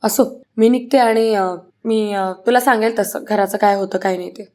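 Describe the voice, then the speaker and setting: A woman's voice: mid-range voice, steady tone, moderate pace, a little mellow, close to an everyday voice. Woman narrator voicing a cool, scheming mother; matter-of-fact read. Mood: reassuring. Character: scheming middle-aged mother, calm. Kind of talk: reading a serial recap aloud.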